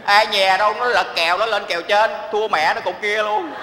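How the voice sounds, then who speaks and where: An actor playing a penniless gambler son in a stage comedy sketch, whiny and stammering with wailing exclamations. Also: male voice, high voice, fairly even intonation, brisk, bright, forceful tone. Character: penniless man, gambler, comic prodigal son. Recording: echoey stage with long reverb.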